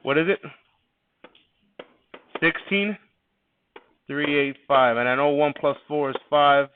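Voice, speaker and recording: A man's voice: on the high side, slow pace, slight background noise. Casual male math teacher, tinny sound. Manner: casual, conversational, repeats words while thinking. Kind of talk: classroom lesson reviewing a quiz. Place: classroom. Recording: dry, phone-like narrow sound.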